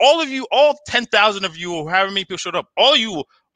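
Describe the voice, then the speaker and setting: A very fast, animated, raised and projected voice with very wide pitch swings, a bright, sharp tone and a dry, close sound with no echo. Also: man. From New Jersey (Bayonne). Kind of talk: casual chat.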